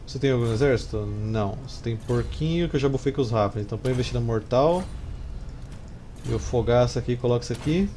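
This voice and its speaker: A Brazilian man streams a strategy game with casual, slangy commentary. His voice is mellow and sits at an ordinary middle pitch. There is clear background noise around it. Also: fast talker. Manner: informal, slangy. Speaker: gameplay streamer. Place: small room indoors. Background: game sounds and ambience.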